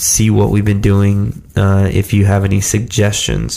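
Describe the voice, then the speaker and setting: At a moderate pace and fairly low pitch, a man talks with fairly even intonation in an unremarkable speaking voice. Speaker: caller. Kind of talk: listener question.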